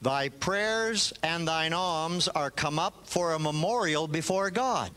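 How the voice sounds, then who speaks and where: An older man from Canada preaching a sermon in short phrases, pausing for an interpreter, telling a personal story. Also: a little high, animated, sharp tone.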